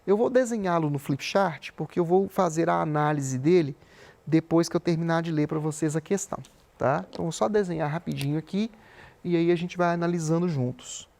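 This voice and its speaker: Um homem dando uma aula gravada de física, explicando com paciência e conferindo a compreensão dos alunos a cada passo. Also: male voice, a little high, brisk, vocal fry, a little mellow. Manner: patient, explanatory, often checks in with "tá?". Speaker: physics teacher. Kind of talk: recorded remote class lesson. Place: studio with a flip chart.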